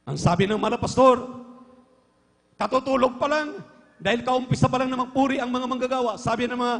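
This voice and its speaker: Male preacher, fervent sermon delivery; very high pitch, gravelly edge, long church reverb. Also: brisk. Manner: fervent, peppers speech with "hallelujah", swings from hushed to shouting. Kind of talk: Pentecostal-style sermon. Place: large church hall. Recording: long hall reverb from a church live stream.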